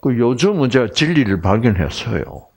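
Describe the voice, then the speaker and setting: A man's voice: mid-range voice, big pitch swings, moderate pace, darkish tone, husky. An older man from Korea giving a chatty health lecture, weaving in personal stories and frequent asides to his audience.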